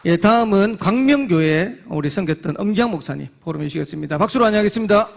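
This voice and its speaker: Fast, gravelly man hosting. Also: sits high, expressive, a little hiss or hum. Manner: rousing, calls for applause. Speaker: emcee. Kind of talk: church event hosting.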